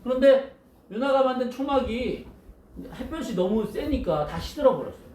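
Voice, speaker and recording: A male pastor giving a storytelling sermon to children, animated and asking his listeners questions. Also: very high-pitched, moderate pace, echoey room, slight background noise.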